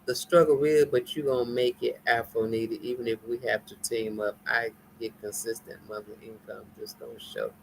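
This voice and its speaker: A woman's voice: a bass voice, moderate pace, few pauses, slight background noise. A woman from the United States with an African American accent, chatting casually and teasingly with viewers on a live stream, laughing often. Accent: African American English. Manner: animated, laughing, teasing, folksy. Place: home in Nigeria.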